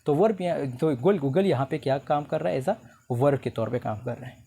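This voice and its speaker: A man giving a recorded lecture, reading English definitions slowly and explaining them in a relaxed conversational way. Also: fairly high pitch, gravelly, a little hiss or hum. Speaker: teacher.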